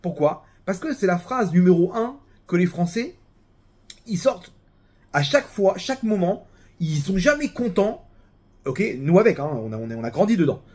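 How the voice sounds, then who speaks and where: A man with a French accent giving a casual religious talk, animated and full of restarts and repeated words. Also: sits high, normal speed, breathy edge.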